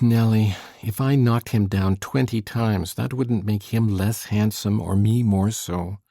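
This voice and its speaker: Woman doing a sulky teenage boy, very low voice, gravelly, dark, slow and gruff. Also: no echo, clean studio sound, full character voice.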